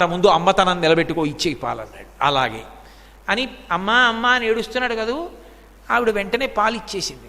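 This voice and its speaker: A middle-aged man giving a spiritual discourse, telling a sacred story in a lively way and voicing the characters' lines himself. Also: sits high. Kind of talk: Telugu religious storytelling discourse. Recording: long hall reverb.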